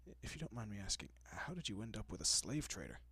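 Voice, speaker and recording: A man playing a gentle, courteous, possessive vampire in an intimate audio roleplay, speaking softly and often dropping to a whisper with hushed reassurance. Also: on the low side, sing-song, fast talker, slightly rough, no echo, exaggerated voice. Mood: gentle, reassuring. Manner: hushed, reassuring, politely old-fashioned.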